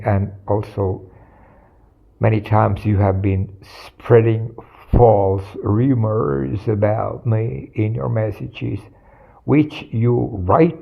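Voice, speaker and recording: A middle-aged man speaks very slowly in a gravelly, fry-edged voice that sits somewhat low. The recording sounds dull and lo-fi. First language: Finnish. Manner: slow, deliberate, formal phrasing. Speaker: video blogger. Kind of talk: direct-to-camera address.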